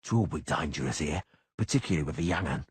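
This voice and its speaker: A man's voice: rumbling low, lively intonation, quick pace, breathy edge, no room sound, heavily acted. A man voicing a menacing black-haired killer in an audiobook, who drawls and hisses his words. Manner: drawling, hissing.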